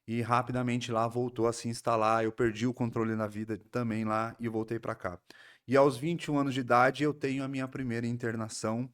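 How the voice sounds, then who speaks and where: Um homem, psicanalista convidado de um podcast, narra com seriedade e reflexão sua história pessoal de recuperação, com sotaque do interior paulista. Sua voz é de registro médio e tom nivelado, e a fala tem muitas pausas e recomeços.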